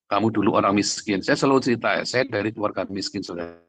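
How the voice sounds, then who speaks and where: A man's voice: fairly low pitch, fast talker, fairly bright tone. A man preaching in a conversational, blunt and emphatic way, addressing listeners directly and asking rhetorical questions. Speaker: preacher, pastor. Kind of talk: conversational livestream sermon.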